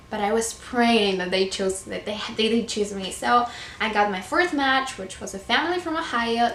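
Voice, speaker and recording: A woman with a fairly high voice and ordinary pitch variation talks at a moderate speed against noticeable background noise. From Argentina. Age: young. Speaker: au pair. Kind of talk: casual vlog talk to camera.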